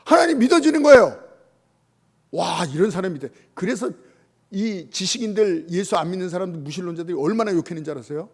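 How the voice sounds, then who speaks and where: A man preaching a Sunday sermon as pastor, telling stories with lively acted-out dialogue and rising to shouts. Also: high-pitched, fast. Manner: animated storytelling, acting out quoted voices, rising to shouts.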